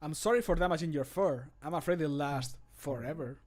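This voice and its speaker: A mock-sincere fantasy game character, acted by a man, with a slightly high male voice. Each scripted line is delivered deliberately and emphatically, with a punster's wryness. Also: close to an everyday voice. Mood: mock apologetic.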